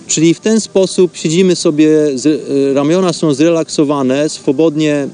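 A man hosting a radio show, giving instructional talk in an explanatory way, pausing now and then to find words. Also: on the high side, mellow. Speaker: host of a radio show on meditation.

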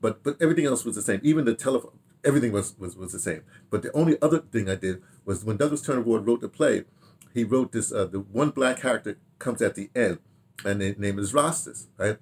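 An older man with a husky voice reminiscing casually to camera, halting and digressive as he muses aloud and repeats words. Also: fairly low pitch, expressive, darkish tone. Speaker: veteran radio drama director recounting career. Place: small furnished home room with bookshelves.

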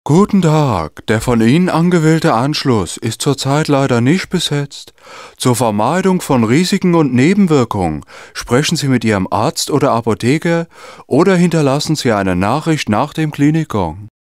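A man's voice: mid-range voice, animated, normal speed, darkish tone, dry recording, clean studio sound, close to an everyday voice. A man voicing a formal clinic announcer in a scripted phone menu manner. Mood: deadpan, formal. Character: formal male clinic answering machine announcer.

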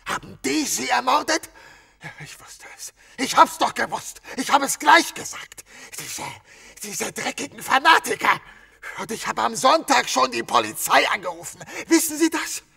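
An actor in a crime radio play voicing an agitated innkeeper grieving his murdered wife, halting, stammering and swearing bitterly. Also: very high-pitched, very animated, gravelly, bright, forceful tone, husky, exaggerated voice. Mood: furious, distraught. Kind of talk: dramatic audio drama acting.

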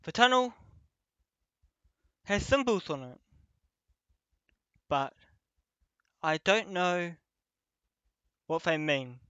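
A man playing a protective young companion leading an escape in an ASMR roleplay, speaking haltingly in short phrases. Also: high voice, sing-song, fairly bright tone, clean tone, no echo, lo-fi sound, exaggerated voice. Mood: wondering, encouraging.

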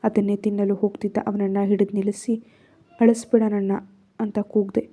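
A woman's voice: mid-range voice, flat delivery, fast, mellow, breathy edge. A woman narrating a first-person love story in Kannada-accented speech, raising her voice for quoted lines.

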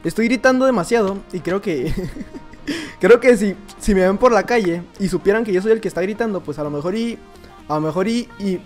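Young man, Mexican accent, high voice, excitable gameplay commentary, faint music behind. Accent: Mexican Spanish. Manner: excitable, bursts into shouts and laughs, mutters to himself. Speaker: gaming YouTuber. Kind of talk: live Minecraft gameplay commentary.

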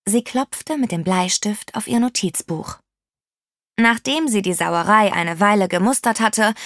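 A woman narrating a children's audiobook with lively, playful storytelling. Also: mid-range voice, no echo, clean studio sound.

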